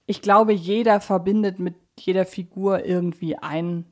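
A woman's voice: on the low side, fairly even intonation, moderate pace, a little mellow. Woman podcast co-host, hesitant conversational delivery. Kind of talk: casual discussion of an audio drama series.

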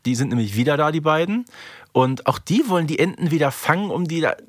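A man's voice: on the high side, animated, fast talker, no room sound, studio quality. A man co-hosting a podcast with casual, wry, playfully exaggerated humorous commentary. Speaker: podcast co-host.

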